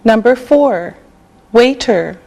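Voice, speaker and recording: A middle-aged woman teacher from Canada leads an English lesson at a very slow, deliberate pace. Her voice sits a little high. She spells out each word with great care. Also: expressive, warm tone. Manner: slow, carefully enunciated. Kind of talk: scripted language lesson.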